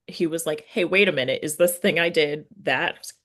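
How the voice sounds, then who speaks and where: Woman podcast host, low pitched, chatty and informal, kinda thinks out loud while asking stuff. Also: brisk. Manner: informal, rambling, thinking aloud. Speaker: podcast interviewer and writing teacher. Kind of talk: casual, conversational literary interview.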